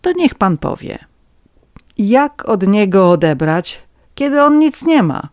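A canny old-style peasant farmer, as a storybook reader puts him on, calm and in no hurry. He asks dry, measured questions at a slow pace. The recording is close and dry. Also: mid-range voice, no echo, voice pushed up. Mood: sly.

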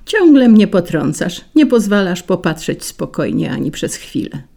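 A loyal, touchy carnation from a storybook fable, as a woman reads him, earnest and a bit peevish. The voice is husky and low, with a gravelly grain. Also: sing-song, normal speed, mellow, full character voice. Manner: irritable, then earnest.

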